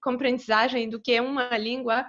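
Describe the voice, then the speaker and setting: A woman's voice: fairly high pitch, level tone, moderate pace, a bit bright, muffled recording. A Polish woman with a Polish accent, a guest in a video-call interview, speaking thoughtfully with many hesitations. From Poland. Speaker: guest, polyglot.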